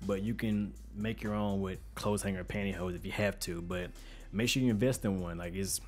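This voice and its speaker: A man speaks in a deep, bass-heavy voice, close to a studio microphone. He explains things like an informal tutorial host, in loose, slangy, conversational phrasing. Faint music plays behind him. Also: fairly even intonation, a little fast. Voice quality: deep, bassy voice. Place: untreated home studio room with reflection filter. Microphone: studio microphone with pop filter, close up.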